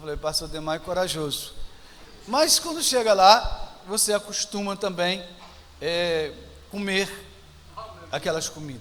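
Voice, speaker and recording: Over noticeable background noise and audible room echo, a man with a Mozambican accent talks at a moderate pace. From Mozambique. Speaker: missionary pastor. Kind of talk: sermon.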